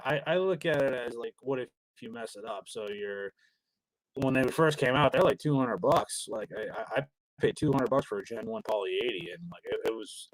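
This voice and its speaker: A man from Massachusetts, a guest talking loudly and emphatically over a video call, often restarting his sentences. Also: mid-range voice, poor audio. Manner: loud and emphatic, rapid restarts. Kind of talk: casual gun talk. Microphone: video call, loud personal mic.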